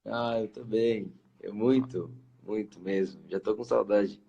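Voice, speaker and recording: A man hosts a Christian live stream in a casual, heartfelt farewell, often repeating himself. His voice sits a little low and has a gravelly fry. The stream audio carries a clear layer of noise. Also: measured pace, muffled recording. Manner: effusive and emotional, warmly repeating himself.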